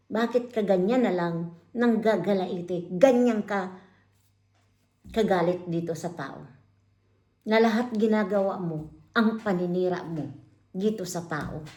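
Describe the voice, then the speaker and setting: A woman's voice: mid-range voice, a little mellow, reverberant. A woman hosting online commentary, calling out a critic with pointed repeated questions. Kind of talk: confrontational live commentary.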